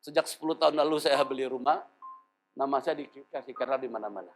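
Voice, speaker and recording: A man's voice: medium pitch, quick pace. A pastor in his fifties preaching a sermon, telling stories and acting out the voices in them. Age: 50s. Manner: animated storytelling, acting out dialogue.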